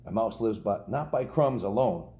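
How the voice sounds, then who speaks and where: A middle-aged American man with a warm, lowish, expressive voice talks at a moderate pace. He hosts a kids' story video as a dad, combining relaxed home vlog chat with storybook read-aloud narration.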